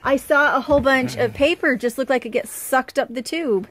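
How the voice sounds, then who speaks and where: A woman's voice: sits high, moderate pace, fairly bright tone, slight background noise. A young woman co-hosting a homestead video, chatting playfully in a small shed. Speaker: co-host. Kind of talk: casual chat. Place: small metal-walled shed.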